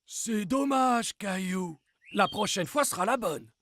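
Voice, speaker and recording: A woman playing an encouraging, gentle grown-up minding young children in a children's cartoon. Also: mid-range voice, animated, slow pace. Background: music.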